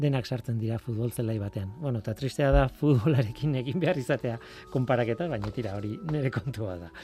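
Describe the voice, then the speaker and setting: Somewhat breathy and dark, mellow in tone, a man's medium-pitched voice shows ordinary pitch variation. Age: 40s. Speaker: radio host. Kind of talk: radio show.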